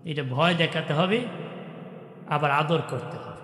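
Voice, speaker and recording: High chanting preacher over echoing speakers. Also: male voice, measured pace. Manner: swings from soft talk to high chanted calls. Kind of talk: Bengali waz sermon, chanting. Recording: echoey long reverb through PA.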